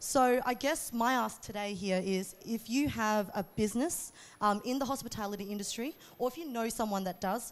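A woman with a normal speaking voice talks at a moderate pace and a fairly high pitch, with ordinary pitch variation. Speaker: startup founder pitching a hiring platform. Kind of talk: elevator pitch. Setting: stage with live audience. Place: hall. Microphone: handheld.

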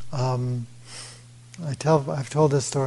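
Soft-spoken and somewhat breathy, a man talks at a medium pitch with ordinary pitch variation. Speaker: Buddhist monk giving a dharma talk. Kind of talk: sermon. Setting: temple hall with audience, using a microphone. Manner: halting, with fillers.

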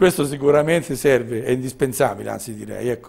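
He speaks fairly quickly with ordinary pitch variation. His is an unremarkable speaking voice. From Marche. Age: 60s. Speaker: mayor. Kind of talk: TV interview. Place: studio. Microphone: lapel.

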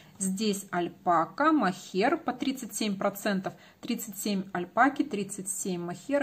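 A woman's somewhat breathy voice. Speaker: knitting video blogger; knitting blogger. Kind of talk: casual tutorial and Q&A. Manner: chatty.

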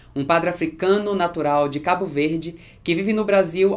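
In a Brazilian accent, a man talks at a moderate pace and high pitch with ordinary pitch variation. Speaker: interviewer, video channel host. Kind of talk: casual interview conversation.

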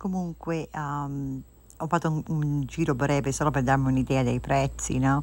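Her pace is moderate as this woman speaks, with a dry sound and no echo. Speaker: vlogger. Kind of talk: casual vlog chat. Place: shop. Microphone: phone near.

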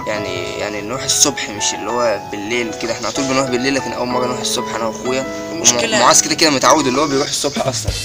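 A man at a very fast pace with hardly any pauses and ordinary pitch variation, over loud music in the background. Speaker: vlogger. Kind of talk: casual vlog chat. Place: street. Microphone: phone near.

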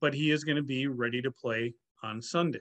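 Speaking with a Wisconsin accent at a fairly quick pace, a man uses a fairly high pitch and ordinary pitch variation over a quiet background. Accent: Upper Midwest (Wisconsin). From Green Bay, Wisconsin. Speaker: podcast host, Gulf War veteran; podcast host. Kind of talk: casual chat. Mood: relaxed, friendly. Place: home room. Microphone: webcam.

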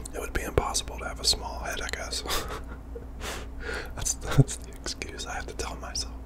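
A soft-spoken man whispering at a fairly quick pace, with big swings in loudness and noticeable background noise. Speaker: eating vlogger. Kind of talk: casual vlog chat. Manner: soft close whisper while eating. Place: home room.

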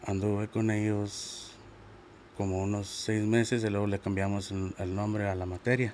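With light background noise, a man speaks at a fairly slow pace with a fairly low pitch and monotone, flat intonation. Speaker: band musician; interview guest. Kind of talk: casual interview chat. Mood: relaxed, reflective. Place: studio. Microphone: studio mic.

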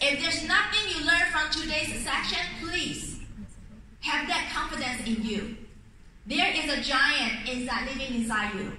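A woman speaks in a raised, projected voice at a high pitch with lively intonation and a moderate pace. Audible room echo and light background noise surround her. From Taiwan. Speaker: network marketing leader and motivational speaker. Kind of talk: motivational speech. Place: hall.

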